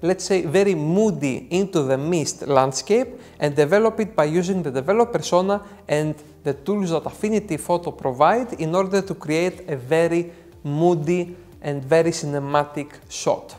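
Young Greek-accented male tutor, earnest and methodical, talks through each step with short pauses. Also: on the high side, a little mellow. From Greece. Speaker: photo editing tutor. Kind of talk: software tutorial narration. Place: dark studio indoors.

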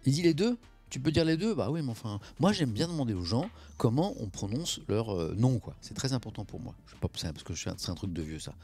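A man's voice: medium pitch, very animated, quick pace, a little mellow, slightly rough, soft background music. A man, chatting casually on a live stream, reacting to chat and mocking himself.

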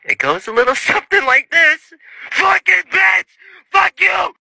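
A man voicing a gleeful, foul-mouthed cartoon puppet neighbor with a sing-song manner that bursts into shrill shouts. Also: lively intonation, unhurried, creaky, dry recording, full character voice. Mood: gleeful outburst.

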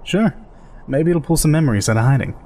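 In a fan dub of a game scene, a man voices a goofy, easygoing older soldier who rambles, chats, jokes and laughs easily. His mid-range voice is expressive and a little mellow, and he talks quickly.

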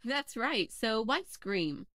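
A woman's voice: fairly high pitch, very animated, slow pace, pushed and bright, dry recording, studio quality. A woman playing a chatty, wry podcast host who dismisses callers' suggestions, in an audio play.

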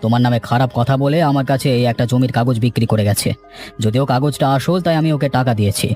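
A man playing a shrewd, seasoned land broker in a cartoon, giving measured, matter-of-fact advice and cautions. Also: medium pitch, darkish tone, soft background music, close to an everyday voice. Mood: confiding, advising. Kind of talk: dramatized cartoon dialogue.

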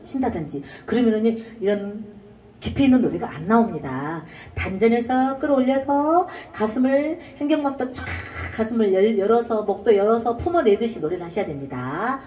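A woman's voice: medium pitch, recorded from a distance, a little hiss or hum. A woman teaching a trot singing lesson, explaining breathing and ornaments and singing short phrases to show them. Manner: demonstrates lines by singing, belts short shouts. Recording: echoey room, voice off-mic.

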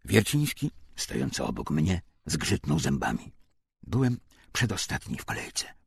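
A male narrator reads a war memoir in a deep, rough voice full of fry. His delivery is scripted and dramatic, with widely moving intonation. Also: huge pitch swings, a little slow, dry recording, studio quality. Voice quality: gravelly, husky. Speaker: audiobook narrator.

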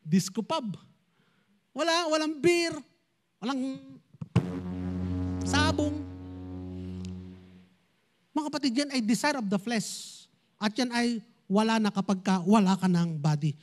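A man's voice: very high-pitched, expressive, slow, pauses often. A man, preaching a sermon as pastor and speaking directly to his congregation. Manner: switches between Tagalog and English, addresses congregation directly.

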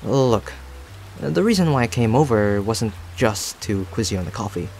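Chatty, lively male barista, acted by a man. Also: on the low side, normal speed. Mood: gentle concern. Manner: chatty, rambling, gently attentive. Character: friendly, talkative young male cafe owner and barista. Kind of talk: scripted roleplay audio addressed to the listener. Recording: soft music and rain behind. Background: music and rain sounds.

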